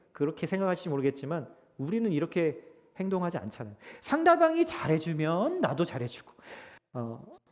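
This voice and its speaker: A male pastor giving a Sunday sermon in a church sanctuary, preaching emphatically and swinging between loud peaks and soft drops. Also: high-pitched. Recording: long church hall reverb.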